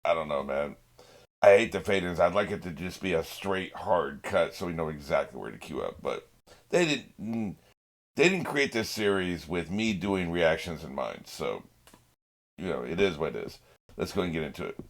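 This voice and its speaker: A man's voice: sits low, big pitch swings, moderate pace. A man hosting a reaction show, talking casually and off the cuff in an informal, musing way with some swearing.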